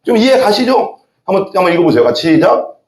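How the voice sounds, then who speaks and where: A man's voice: sits high, quick pace. A man preaching a sermon as pastor, talking straight to his congregation and often throwing questions at them. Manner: animated, talks directly to the congregation with frequent questions. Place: church sanctuary. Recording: echoey church hall.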